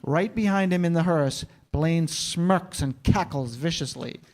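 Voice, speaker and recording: A man reads scripted stage action as a narrator. His voice sits slightly high for a man, describing scenes in the present tense for a staged reading. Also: unhurried, a little mellow.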